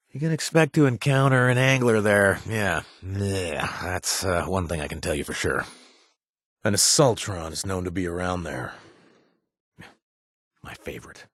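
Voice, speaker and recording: An actor playing a wry, sarcastic companion in a video game who hands out kill jobs, stammering and joking. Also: male voice, mid-range voice, no echo. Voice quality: animated, sarcastic delivery with hesitant stammers. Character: wry young man, quest-giving companion, sarcastic and jumpy. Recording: dry studio sound.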